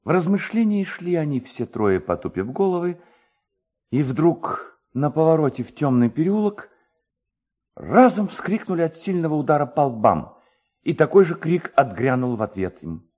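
Animated male literary storyteller. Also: a little high, normal speed. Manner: expressive, theatrical phrasing. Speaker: narrator, reader.

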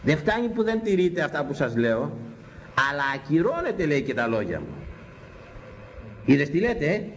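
A man's voice: a little high, very animated, a little hiss or hum, poor audio. A man preaching a sermon on scripture, stern and impassioned, firing off rhetorical questions at his listeners.

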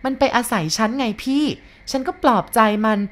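A woman voicing a distraught middle-aged woman who pleads tearfully and nearly shouts, in a read-aloud story. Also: high voice, a little fast, pitched above the performer's own voice, natural voice. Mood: pleading.

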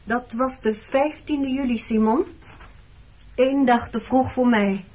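A hurt, reproachful woman in a dutch radio drama, breathy soft dark voice, kinda muffled old recording. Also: a little high, steady tone, slow pace. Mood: pressing, reproachful. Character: wounded, reproachful married woman, frank about her past. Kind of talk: Dutch radio play acting.

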